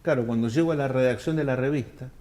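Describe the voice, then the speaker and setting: An older man from Argentina, telling long animated anecdotes in an interview and acting out the people he quotes. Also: medium pitch, quick pace. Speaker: world traveler telling his story. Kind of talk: storytelling interview answers.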